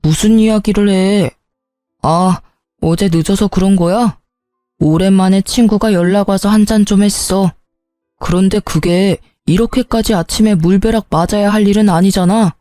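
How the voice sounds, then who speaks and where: A defensive, grumbling husband, put on by a woman reading a story aloud. He whines and makes excuses in a slightly lowered, mellow voice. The sound is close and dry, with faint music underneath. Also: fairly even intonation, moderate pace, dry recording, lightly acted. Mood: annoyed. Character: irritable hungover married man. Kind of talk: storybook narration voicing a character.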